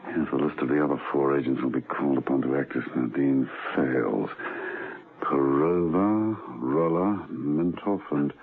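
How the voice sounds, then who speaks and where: A wry gentleman agent, very low and gravelly, understated, on an old radio recording. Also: heavily acted. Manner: dry, understated, musing aloud. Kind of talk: 1970s radio drama acting. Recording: muffled, narrow-band old radio recording.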